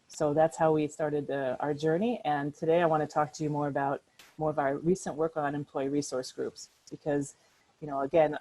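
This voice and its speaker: Middle-aged American woman, deep and warm, loose talk with fillers, presenting on a video call from home. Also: poor audio. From United States. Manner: conversational, hesitant restarts with many fillers. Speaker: workshop speaker. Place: apartment at home.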